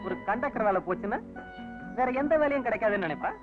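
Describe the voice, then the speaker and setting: An actor playing a boastful former bus conductor who talks to himself in a lift, on tinny old film audio. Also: male voice, sits high, expressive, over loud music. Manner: boastful, quick and bouncy. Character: boastful jobless ex-conductor man. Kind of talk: Tamil film comedy acting.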